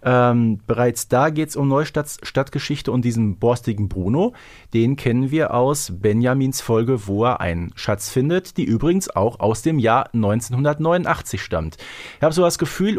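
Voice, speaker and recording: A man's voice: medium pitch, expressive, normal speed, a little mellow. A man co-hosting a podcast, casually retelling and discussing in a chatty, colloquial way with frequent tag questions. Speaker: podcast co-host. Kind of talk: casual retelling and discussion of an audio drama episode.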